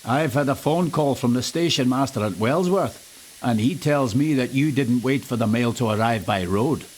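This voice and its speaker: A man's voice: mid-range voice, moderate pace, a little mellow, a little hiss or hum, close to an everyday voice. A man voicing a polite, earnest railway station master in a children's storybook. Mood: concerned.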